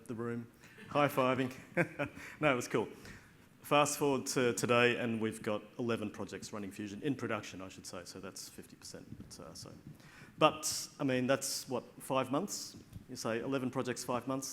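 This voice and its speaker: A man's voice: medium pitch, fairly bright tone, a little hiss or hum. An Australian man speaking at a tech conference, chatty and informal, with many fillers and restarts, on a stage microphone. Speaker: conference speaker, data platform lead. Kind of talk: conference talk.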